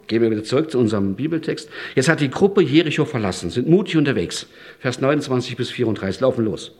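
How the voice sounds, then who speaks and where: A man preaching a sermon, lively and emphatic, often rising sharply in pitch and loudness.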